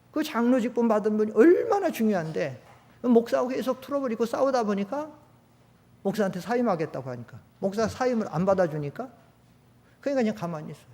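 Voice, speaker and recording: An older man, a pastor, preaching a sermon in a church, talking conversationally and swinging between loud emphatic peaks and low quiet storytelling. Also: lively intonation, a little fast, long pauses. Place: church sanctuary.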